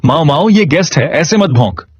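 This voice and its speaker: A man's voice: a little high, expressive, moderate pace, darkish tone, breathy edge, no echo, highs cut off. A man voicing a broke young farmer hero who jokes and gets flustered. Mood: jokey, flustered.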